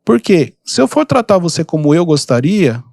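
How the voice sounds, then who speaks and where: Man, podcast host, calm and unhurried, slightly high voice, dry close sound. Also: gravelly, no room sound. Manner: calm, unhurried, gives examples. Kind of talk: casual advice talk.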